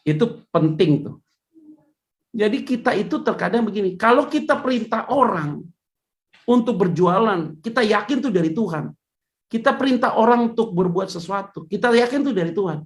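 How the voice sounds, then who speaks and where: Animated preacher man. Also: high voice, moderate pace. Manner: animated, acts out voices of congregants and quotes. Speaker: pastor. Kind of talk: lively sermon.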